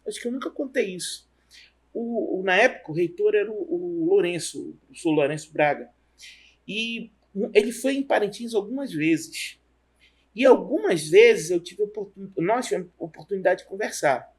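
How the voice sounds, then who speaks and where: Man, middle-aged, husky voice, fairly high pitch, rambling storyteller. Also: animated. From Amazonas, Brazil. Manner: rambling, halting storytelling with restarts. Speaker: university professor, guest. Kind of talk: relaxed career interview.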